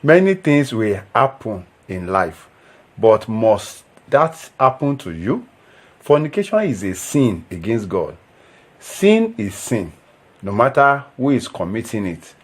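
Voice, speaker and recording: A man's voice: on the low side, very animated, takes it slowly, full character voice. An actor playing an earnest young Christian man who preaches and pleads. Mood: preachy. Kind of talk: film drama acting.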